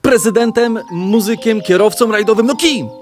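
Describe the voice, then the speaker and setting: A frank, questioning sparrow, acted by a man for a children's audio tale. The voice is very high for a male and matter-of-fact in manner. Prominent music plays behind it. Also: normal speed, natural voice. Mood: curious, prodding. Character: male sparrow, chirpy sceptical friend of a tortoise. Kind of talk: children's audio play acting. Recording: loud music under the voice.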